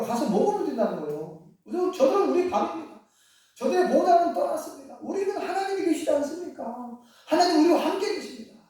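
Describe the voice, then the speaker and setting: A man's voice: very high voice, dark tone, voice pushed up. A man voicing a bold young male spy who fervently rallies his people to go and fight. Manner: fervent, rallying. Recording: echoey church hall from far off.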